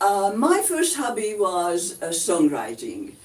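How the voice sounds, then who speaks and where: Through noticeable background noise, a woman of medium pitch speaks very slowly, with very wide pitch swings. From France. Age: 80s+. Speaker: songwriter and author. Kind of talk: interview. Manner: halting.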